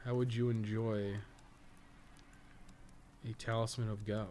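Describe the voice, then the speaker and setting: Over clear background noise, a man gives casual live commentary on a game stream, rambling, blunt and swearing freely as he thinks aloud. His voice is low-ish and mellow, with a flat delivery at a slightly slow pace.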